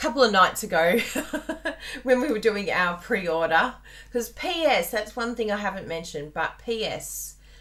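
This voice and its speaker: Enthusiastic and lively in intonation, a woman with an Australian accent speaks at a medium pitch in a bright, sharp tone. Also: moderate pace. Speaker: craft demonstrator. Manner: chatty, enthusiastic.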